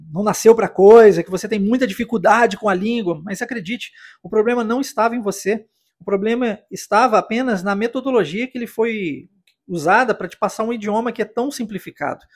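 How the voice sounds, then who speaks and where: Husky, high-voiced Brazilian teacher. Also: male voice. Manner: encouraging, explanatory, frequent tag questions. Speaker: English teacher and podcast host. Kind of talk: podcast lesson addressing listener.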